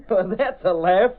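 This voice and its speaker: An actor playing a brash, wisecracking male newspaper reporter in a 1930s radio drama. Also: high-pitched. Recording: tinny old radio broadcast.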